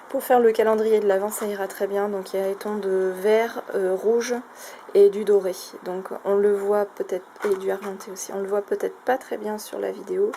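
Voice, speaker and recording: A woman's voice: medium pitch, dark tone. A woman casually showing a craft shopping haul, talking in a chatty, hesitant way with many fillers. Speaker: craft vlogger. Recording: noisy home recording.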